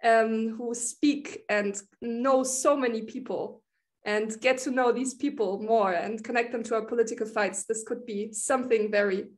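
Organizer woman closing a video-call panel; hesitant, filler-heavy delivery, slightly high. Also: steady tone, moderate pace. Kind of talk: online panel discussion. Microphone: laptop video call.

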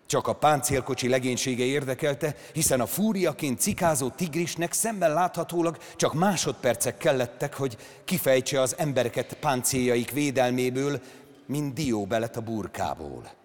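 A male actor reads a prose story aloud at a literary gala, with measured and dramatic phrasing. His voice has an ordinary middle pitch for a man. The sound carries the long reverb of a large concert hall. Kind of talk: dramatic literary reading on stage.

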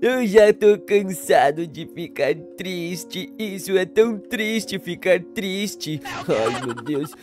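Sadness, a mopey figure who sighs and drags every word while fumbling through a game, as a man puts her on. The voice sits high and sounds worn down and self-pitying. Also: animated, a little mellow, soft background music. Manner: drawn-out sighs, mopey slow delivery. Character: gloomy self-pitying Sadness, sighing and slow. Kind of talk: gameplay commentary in character.

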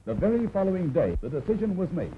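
A man's voice: sits high, sing-song, fast talker, a little hiss or hum. A man giving formal, announcing narration for an old newsreel, heard from its original soundtrack. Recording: tinny old newsreel audio with music.

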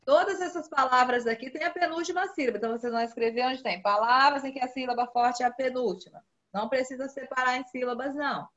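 High-voiced Brazilian woman teaching children. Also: fairly bright tone, dull audio. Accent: Brazilian Portuguese. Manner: patient, repeats key words slowly for children. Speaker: primary school teacher. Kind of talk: online class instruction. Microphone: video call.

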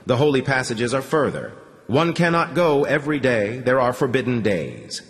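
A man's voice: mid-range voice, big pitch swings, long reverb tail, close to an everyday voice. A man doing timid Dron, speaking simply. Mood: earnest. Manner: speaks of himself in third person, simple halting phrasing.

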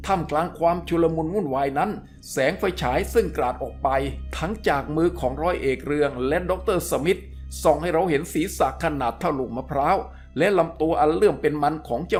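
A man reading a serialized adventure novel aloud as a storyteller, in steady, measured narration. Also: fairly high pitch.

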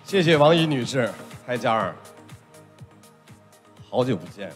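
Middle-aged man, award-show emcee, handheld mic, animated, long hall reverb. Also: mid-range voice, faint music behind. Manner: lively, teasing, hurried. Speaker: event emcee. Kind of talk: stage hosting, award ceremony. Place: large indoor event stage.

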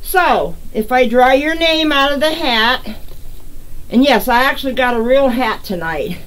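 A woman's voice: high-pitched, expressive, unhurried, a bit bright, low-quality recording. A woman hosting her own channel, chatting casually with viewers as she draws giveaway winners and greets them by name. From United States. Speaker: resin artist and channel host. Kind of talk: casual live giveaway chat.

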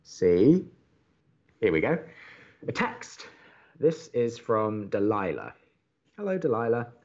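Drew, low-voiced wry college radio host. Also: male voice, very animated, takes it slowly, darkish tone, muffled recording, heavily acted. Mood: wry, upbeat. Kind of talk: naturalistic audio drama dialogue.

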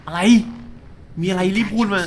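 A young man commenting as he plays a horror game, chatty with the viewer and yelping loudly when startled. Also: normal speed, slight background noise. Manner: jumpy, yelps and shrieks when startled, chatty asides to the viewer. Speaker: gamer. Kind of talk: horror let's play commentary.

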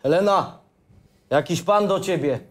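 A man's voice: high-pitched, a little slow. An actor playing a wary man in his forties in an audio drama script reading. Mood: wary, gruff.

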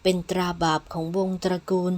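A woman reading novel narration in a low, somber, measured voice. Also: darkish tone. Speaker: audiobook narrator.

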